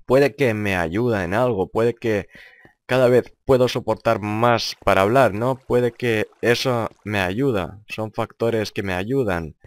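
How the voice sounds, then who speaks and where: Deep-voiced serious young man, rambling commentary. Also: slow, dry recording. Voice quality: deep, grave voice. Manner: serious, rambling, repeats himself. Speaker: gaming video creator. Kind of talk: improvised casual gameplay commentary.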